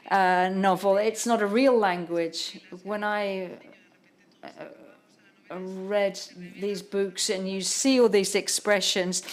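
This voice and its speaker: A woman interprets a literary panel talk on the fly, speaking at a middling pitch. She talks haltingly, pausing and restarting as she searches for the words. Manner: halting, many pauses and restarts.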